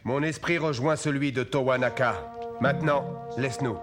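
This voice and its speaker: A middle-aged man playing a solemn tribal chief in a French cartoon dub, grave, authoritative and measured. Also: medium pitch, steady tone, lightly acted. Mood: commanding. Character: stern, solemn male tribal chief and father. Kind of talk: French animated film dubbing. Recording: faint music behind the dialogue.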